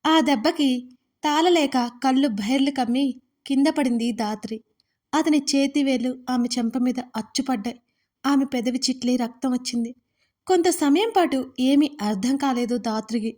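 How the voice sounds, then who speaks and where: Female storyteller, audio drama narration, steady measured reading, fairly high voice.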